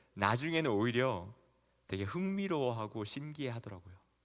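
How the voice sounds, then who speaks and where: In a room with audible echo, a man of medium pitch speaks at a moderate pace with very wide pitch swings. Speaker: pastor. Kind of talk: sermon.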